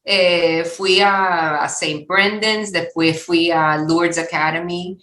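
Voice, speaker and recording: Cuban-american lady in her 60s, bright lowish voice, chatty interview guest, roomy echo. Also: steady tone, slow pace. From born in Cuba, raised in Miami. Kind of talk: conversational personal storytelling.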